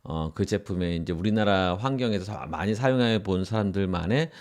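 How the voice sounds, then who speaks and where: Low-voiced man teaching, slightly creaky. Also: moderate pace, a little mellow. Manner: explanatory, often restating points for emphasis. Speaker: audio engineering instructor. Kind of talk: informal tutorial lecture.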